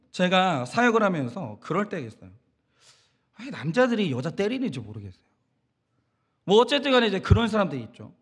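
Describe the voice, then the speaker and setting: A man's voice: high-pitched, husky. A man preaching a Sunday sermon as pastor, emphatic and direct, asking the congregation rhetorical questions. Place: church sanctuary.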